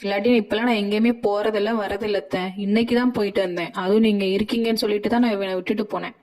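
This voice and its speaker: A woman's voice: medium pitch, fairly even intonation, very fast, darkish tone, natural voice, rough recording. A woman voicing a young mother in a cartoon, polite and apologetic toward her mother-in-law.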